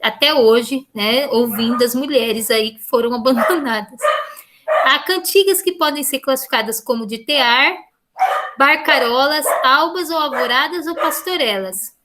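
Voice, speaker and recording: A woman's voice: high voice, unhurried, very noisy. A woman teaching literature in a casual classroom manner with a Brazilian Portuguese accent, reading verses aloud and checking in with her students through frequent tag questions.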